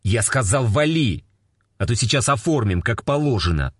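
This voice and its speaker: A man's voice: a little high, sing-song, normal speed, dry recording, studio quality, voice pushed up. A man voicing a fat, irritable police captain who barks orders at his men. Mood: gruff, bossy. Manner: barking orders.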